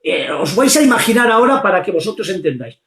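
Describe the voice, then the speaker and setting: A man preaching fervently, often shouting his exclamations. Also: high voice, very animated, quick pace, echoey room. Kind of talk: impassioned preaching.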